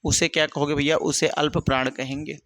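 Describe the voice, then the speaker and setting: Guy teacher, pretty high voice, keeps asking then answering himself, dry close sound. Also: little pitch movement, a little fast, fairly bright tone, no echo. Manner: repetitive, asks and answers his own questions, calls students brother. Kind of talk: exam-prep lesson.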